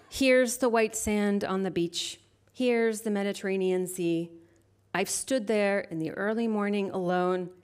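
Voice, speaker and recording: A middle-aged woman poet and lecturer, introducing her work haltingly before a slow, measured reading of her poems into a stage microphone. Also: medium pitch. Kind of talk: poetry reading with spoken introduction. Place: stage at a literary venue.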